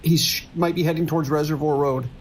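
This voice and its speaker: A man's voice: fairly high pitch, steady tone, fast, a little hiss or hum, natural voice. An actor playing an anxious, earnest male trucker who stammers in a horror radio drama. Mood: worried. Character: worried male trucker, desperate pleading family man.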